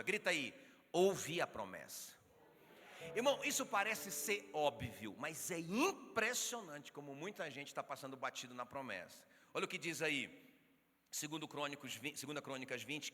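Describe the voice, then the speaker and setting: A man with a Brazilian Portuguese accent preaching a sermon as a pastor, animated, acting out quotes and calling on the congregation. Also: a little high. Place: church hall. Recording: reverberant church hall, faint music behind.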